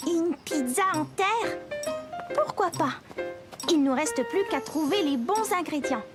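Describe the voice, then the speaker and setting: Very high-pitched playful little girl. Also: expressive, slow. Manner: cheerful, chirpy. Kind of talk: French cartoon dub. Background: music.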